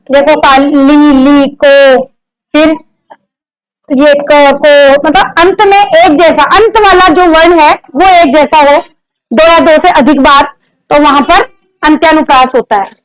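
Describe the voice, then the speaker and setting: A woman's voice: high voice, poor audio. A woman teacher giving a classroom lecture on grammar, explaining step by step, repeating examples and putting questions to her students.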